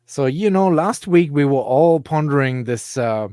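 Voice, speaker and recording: A man's voice: on the high side, lively intonation, moderate pace, a little mellow, smooth, no room sound, clean studio sound. A man hosting a casual crypto podcast, chatty and laughing often. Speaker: host.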